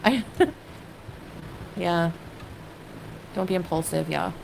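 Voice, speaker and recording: A woman's voice: lowish voice, very slow, gravelly, a little hiss or hum, poor audio. A woman from Canada chatting on a livestream, hesitant and rambling, with lots of fillers as she reads viewers' comments. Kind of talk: casual livestream chat.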